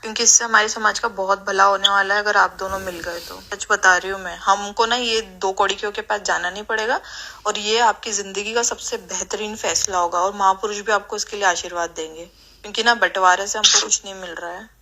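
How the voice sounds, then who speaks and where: A woman's voice: mid-range voice, steady tone, a little fast, sharp tone. A woman speaking casually on a recorded phone call, insistent and persuasive. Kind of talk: casual private phone conversation.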